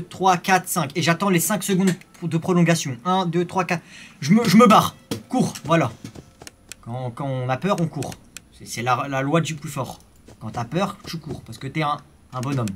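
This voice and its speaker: A young man commentating a horror game live, swinging from startled yells to hushed muttering, full of slang. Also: on the high side, moderate pace, a little hiss or hum. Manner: French street slang. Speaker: gaming youtuber.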